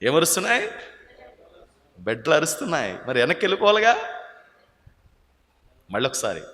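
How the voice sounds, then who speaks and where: Male pastor, Telugu accent, preaching in a reverberant church hall; a bright, forceful voice that quizzes the congregation. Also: fairly high pitch, wildly swooping pitch, a little fast. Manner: calls out questions to the congregation, urging loud answers. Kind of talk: sermon. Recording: echoey hall with long reverb.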